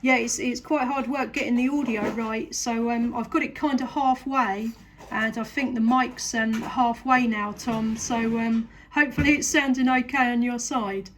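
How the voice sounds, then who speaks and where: A woman's voice: a little high, fairly even intonation, moderate pace, a little hiss or hum. A woman with a southern English accent chatting casually as a CB radio operator, polite and full of thanks. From England. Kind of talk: casual radio contact chat.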